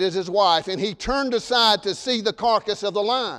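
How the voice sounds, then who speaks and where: With a Southern US accent, a man speaks in a high, bright, sharp voice at a moderate pace. The recording is very clean, with a silent background. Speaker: preacher. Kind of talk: sermon. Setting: church.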